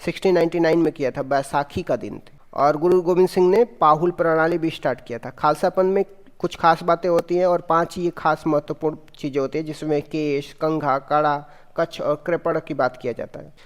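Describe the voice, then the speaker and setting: A man with a somewhat high voice runs an exam-prep quiz lesson. He asks each question and answers it himself. His voice carries a long hall reverb. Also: steady tone, a little fast. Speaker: teacher.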